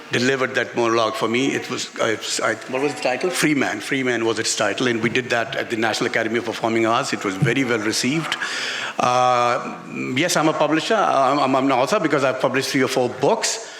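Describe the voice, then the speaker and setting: On a literary festival stage at a garden venue, an author and journalist with a Pakistani accent answers questions at a live book talk. He often stops and repeats words and phrases for emphasis. His medium-pitched voice is fairly quick, with crowd noise around him.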